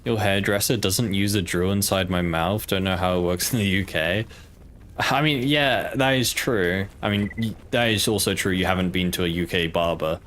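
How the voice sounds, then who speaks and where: This is casual gaming stream chat from a young man from Poland who speaks with a British accent. His voice sits low and a little bright at a moderate pace, and he talks hesitantly and ramblingly with plenty of fillers. There's slight background noise.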